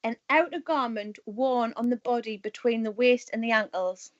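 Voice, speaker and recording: Podcast guest: woman, wry and easygoing, fairly high voice, dull video-call sound. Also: moderate pace. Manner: wry, easygoing, laughs often. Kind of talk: casual interview chat over video call. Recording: muffled video-call audio.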